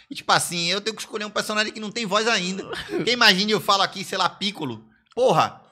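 Over a quiet background, a man with a high, bright, sharp voice projects loudly at a very fast pace with fairly even intonation. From Bahia, Brazil (Pojuca); Bahia, Brazil. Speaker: comedian; podcast guest, comedian. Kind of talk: casual chat. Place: studio. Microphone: studio mic.

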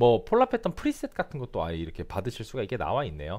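Against a quiet background, a man speaks very fast in an animated tone. His voice has vocal fry. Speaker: music gear show host. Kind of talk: product review chat. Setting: studio. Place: studio. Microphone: headset.

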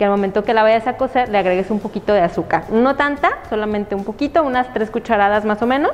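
Light background noise sits behind a woman talking at a fairly quick pace with lively intonation. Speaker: cooking instructor. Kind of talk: tutorial. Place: kitchen.

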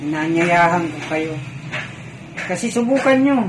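Noticeable background noise runs through the clip. A man talks with ordinary pitch variation. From Mindanao, Philippines; Philippines. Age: 50s. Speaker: patient giving testimony. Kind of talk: testimony. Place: shop. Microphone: phone near.

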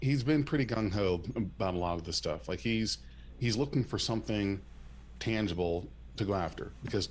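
Over light background noise, a man speaks with a fairly low pitch and vocal fry. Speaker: podcast co-host. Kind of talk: casual chat. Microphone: video call.

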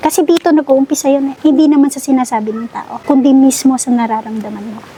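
Recorded with a dry, close sound and no echo, a woman talks at a fairly quick pace over noticeable background noise. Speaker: founder of a tree-planting organization. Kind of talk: interview. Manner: halting, slight stutter since accident.

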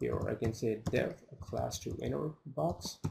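A man with a fairly low pitch and a dark, mellow tone speaks with vocal fry and very wide pitch swings. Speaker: web development tutorial maker. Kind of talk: coding tutorial.

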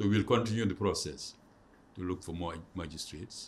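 Over light background noise, a man speaks in a very deep, low, somewhat breathy voice with fairly even intonation. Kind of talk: formal speech at ceremony. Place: office. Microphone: handheld.

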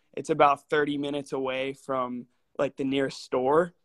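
In a very clean recording with a silent background and a dry, close sound with no echo, an unremarkable speaking voice moves at a moderate pace. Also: man. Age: 20s. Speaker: young adult discussion guest. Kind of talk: casual group chat.

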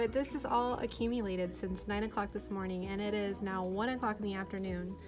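A moderate pace with clear music in the background. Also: woman. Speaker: parent vlogger. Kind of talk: casual vlog chat. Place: garden. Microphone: phone near.

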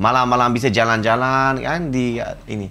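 Speaking at a moderate pace, a man uses fairly even intonation and a bright, sharp tone. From Uzbekistan. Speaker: expat guest; talk show guest. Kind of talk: casual chat; interview answer. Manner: halting. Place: studio. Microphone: lapel.

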